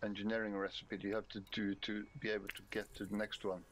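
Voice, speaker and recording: A man's voice: lowish voice, monotone, fast talker, a bit bright, a little hiss or hum. A man on voice chat asking hesitant questions about a game. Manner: hesitant questions, many fillers. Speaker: friend on voice chat. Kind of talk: casual gaming chat.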